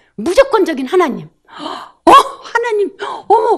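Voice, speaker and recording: A woman's extremely high voice moves through very wide pitch swings. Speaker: cancer patient participant. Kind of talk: testimony. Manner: excitable. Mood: emotional, moved. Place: hall. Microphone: handheld.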